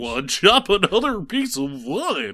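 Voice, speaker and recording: A man puts on a character voice, high-pitched with very wide pitch swings. He talks at a fairly slow pace. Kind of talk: broken, clipped speech. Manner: menacing but hard to pull off.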